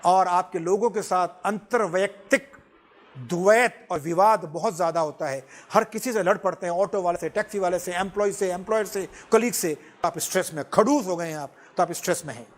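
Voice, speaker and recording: Casting: high-pitched man, lively lecturer who laughs and switches between Hindi and English. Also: fairly quick. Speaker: personality development teacher. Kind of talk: classroom lecture.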